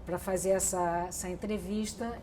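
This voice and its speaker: A woman's voice: on the low side, steady tone, moderate pace, warm tone, slight background noise. A middle-aged woman, telling her life story in an oral history interview, thoughtful and full of restarts. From Brazil. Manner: reflective, with frequent restarts and fillers.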